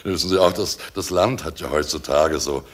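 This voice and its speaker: Ingratiating country gentleman in a radio play, with an extremely deep, rough-edged voice. He is effusively polite and chats away haltingly as he courts. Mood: chatty, wistful. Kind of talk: German radio drama acting.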